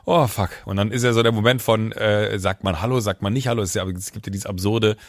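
A man from the Düsseldorf area, a podcast co-host, telling a lively story in casual chat and acting out the dialogue. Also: lowish voice, quick pace, dry recording, clean studio sound. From Düsseldorf area, Germany. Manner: lively storyteller who acts out quoted dialogue; many fillers and restarts.

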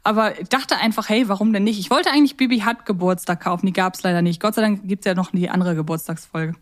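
A woman's voice: mid-range voice, fast talker. A woman with a mid-range voice speaks as a podcast co-host. Her delivery is casual, unscripted conversation. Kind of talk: casual chat about audio drama episodes.

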